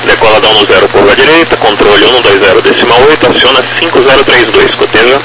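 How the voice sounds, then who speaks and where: Rapid-fire Brazilian male controller on noisy radio. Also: mid-range voice. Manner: terse procedural phrasing. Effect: radio transmission. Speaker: ground air traffic controller. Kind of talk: air traffic control radio instructions.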